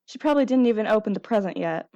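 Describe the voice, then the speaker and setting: A woman's voice: medium pitch, expressive, rapid-fire, mellow, no echo, muffled recording, lightly acted. A woman playing a skeptical, unbothered twin sister in an audio drama, dismissive and matter-of-fact.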